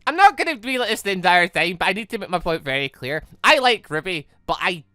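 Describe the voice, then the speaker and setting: A man doing rambling, exasperated let's play commentary on a visual novel, in an animated way. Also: high-pitched, fast, no echo, soft background music. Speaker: gaming video host.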